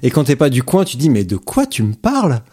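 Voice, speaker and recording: A man's voice: mid-range voice, huge pitch swings, fairly quick, dark tone, breathy edge. Joking man hosting a casual chat. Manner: joking, teasing, informal. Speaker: podcast host, interviewer.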